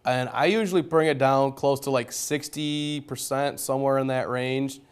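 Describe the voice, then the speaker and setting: A man who teaches geometry, walking through how he records video notes, with a naturally loud voice and a plain step-by-step way of explaining. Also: medium pitch, fairly even intonation, moderate pace, smooth. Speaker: high school geometry teacher. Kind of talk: classroom technology demonstration.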